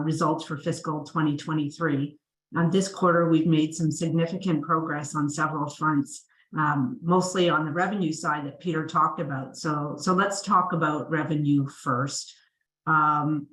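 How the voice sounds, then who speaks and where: A woman finance executive giving a prepared, formal, measured presentation on an earnings call. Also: sits low. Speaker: chief financial officer presenting results. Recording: roomy, echoing sound.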